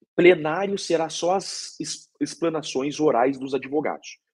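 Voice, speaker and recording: A man is speaking. His voice carries vocal fry. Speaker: criminal defense lawyer. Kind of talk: interview.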